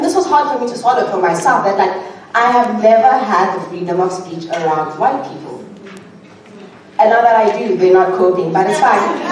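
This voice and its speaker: A woman, an audience member telling a story during a Q&A in a large lecture hall, animated and often laughing. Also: fairly high pitch, a little hiss or hum. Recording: echoey hall, voice from far off.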